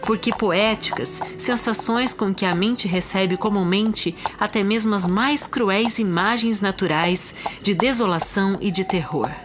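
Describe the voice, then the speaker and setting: A woman with a Brazilian accent narrating a classic short story as an audiobook, in a measured, expressive literary reading. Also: medium pitch. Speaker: podcast host and literary narrator. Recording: music behind the voice.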